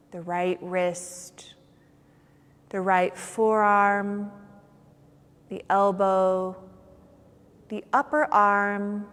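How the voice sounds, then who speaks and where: A woman yoga teacher leading a guided meditation in unhurried phrases with long pauses between them. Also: mid-range voice. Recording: long hall-like reverb.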